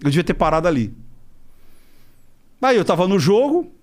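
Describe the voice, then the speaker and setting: A man's voice: high-pitched, moderate pace. A man telling a story in casual chat as an interview guest, acting out other people's voices and swearing freely. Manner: animated, acts out quoted voices.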